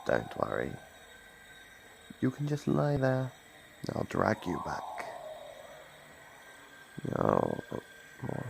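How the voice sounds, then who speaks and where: An ancient monster, acted by a man, hunts in ASMR roleplay with a heavily creaking, gravelly voice. The pitch swings widely as he taunts and gloats like a possessive predator. Clear background noise sits behind the voice. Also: heavily acted. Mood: condescending. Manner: slow, theatrical, taunting. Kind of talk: ASMR roleplay, dramatic monologue.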